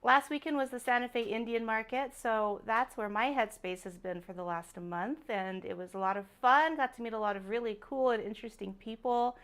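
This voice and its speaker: A woman hosting a live-streamed jewelry sale, chatty and upbeat, greeting viewers by name, her voice a little raspy from a sore throat. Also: a little high, a little fast, hardly any pauses, a bit bright. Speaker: jewelry show host. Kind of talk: live-stream sales chat.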